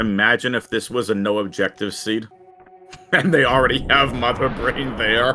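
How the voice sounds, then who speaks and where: Music plays in the background as a man speaks at a medium pitch and a moderate pace with ordinary pitch variation. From New England, Boston area. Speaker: race commentator. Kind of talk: live commentary.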